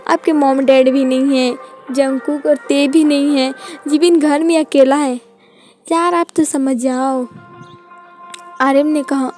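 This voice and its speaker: A woman's voice: sits high, fairly even intonation, takes it slowly, pauses often, a little mellow, faint music behind. A woman narrating a fan fiction story aloud and reading all the characters' lines in her own voice.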